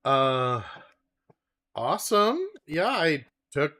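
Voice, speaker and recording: A wry, playful game streamer chats while playing. The voice is bright and lively in pitch, with an unhurried pace. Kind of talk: casual let's-play commentary.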